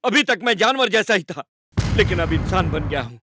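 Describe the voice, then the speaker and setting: A man's voice: high voice, expressive, a little fast, background noise. A man dubbing a remorseful male criminal who begs to be arrested for his crime. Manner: pleading, contrite. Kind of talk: Hindi film dub. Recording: film score under the voice.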